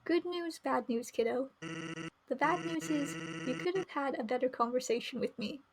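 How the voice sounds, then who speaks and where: A woman plays a laid-back male skeleton from a game, with a creaky, high-set voice. He is casual and teasing, yet reassuring. There is faint noise on the recording. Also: normal speed, low-quality recording. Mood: easygoing, teasing.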